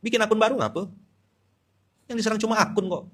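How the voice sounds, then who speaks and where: Husky-voiced male preacher. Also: sits high, quick pace. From Indonesia. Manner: humorous, lively preaching with Quran recitation. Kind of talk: dawn sermon study.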